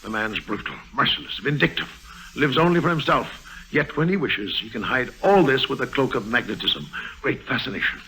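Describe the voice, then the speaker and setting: An actor playing an upright, anxious state governor in an old radio drama, earnest and agitated. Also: male voice, medium pitch, animated, fairly quick, bright, forceful tone, husky, heavily acted, low-quality recording. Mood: troubled. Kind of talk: 1950s radio drama acting.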